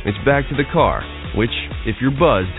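A man narrating a radio ad in a calm storytelling way. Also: mid-range voice, moderate pace. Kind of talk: scripted radio ad. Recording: tinny line with music behind.

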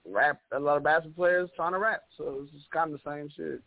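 A fairly high-pitched, fairly quick voice with vocal fry belongs to a stand-up comedian from Chicago, about thirty, who tells animated, rambling, profane stories during a casual interview. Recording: dry and narrow, like a phone line.

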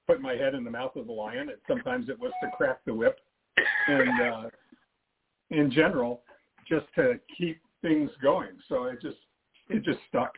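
An older man, a guest author on a radio interview, talking in a halting, easygoing way with frequent restarts. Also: fairly high pitch, lively intonation, vocal fry, slight background noise. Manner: halting, repeats himself, easygoing humor. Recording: tinny phone-line audio.

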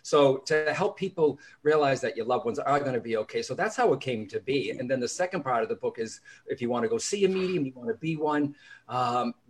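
A man's voice: medium pitch, a little fast. A man with a Boston accent, a guest author talking casually and animatedly in an interview, full of restarts and asides. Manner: chatty, animated storyteller with restarts. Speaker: psychic medium and author, guest.

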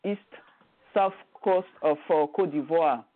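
A woman hosts a live interview in a polite, halting way. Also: low voice. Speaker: interviewer, guest host. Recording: tinny phone line.

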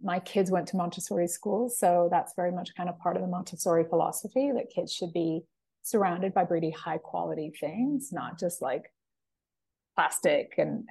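Slightly croaky enthusiastic woman. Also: on the low side, dark tone. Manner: enthusiastic, with frequent restarts and fillers. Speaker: app founder guest. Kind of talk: interview conversation.

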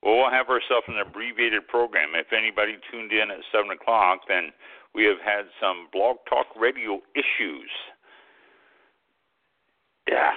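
Wine show host on a landline phone line, deep voice, tinny and narrow, halting delivery with lots of "uh"s. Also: male voice. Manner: halting, many "uh" fillers while reading. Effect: heard over a landline phone. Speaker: winemaker hosting a wine radio talk show. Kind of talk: casual radio talk, reading announcements.

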